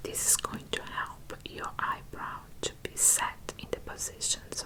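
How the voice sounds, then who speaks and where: A woman whispers at a very slow pace. Noticeable background noise can be heard. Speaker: makeup artist roleplay. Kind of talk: ASMR makeup roleplay. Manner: whispered, soft-spoken.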